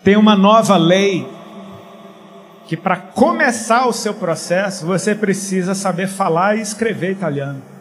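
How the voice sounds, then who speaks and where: A middle-aged man from Paraíba, Brazil, preaching a casual, joking sermon that swings from quiet to loud. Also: high voice, a little slow, slight background noise.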